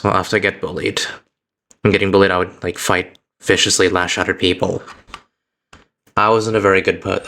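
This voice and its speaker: A man streaming as a VTuber, giving a heartfelt personal speech to his chat in an earnest, reflective way, with halting restarts and an uneven pace. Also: deep voice, pushed and bright.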